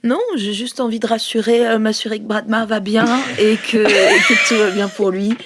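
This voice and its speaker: Female tabletop player, higher register, lively intonation, casual. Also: moderate pace. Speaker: roleplaying game player. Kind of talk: casual tabletop game chat.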